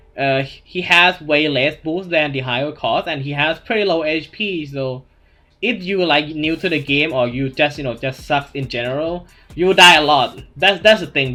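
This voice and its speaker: With a strong Thai accent, the speaker talks at a moderate pace with ordinary pitch variation. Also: man. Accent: thick Thai. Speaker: gaming YouTuber. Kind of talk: Q&A video monologue. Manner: halting, many fillers and repetitions.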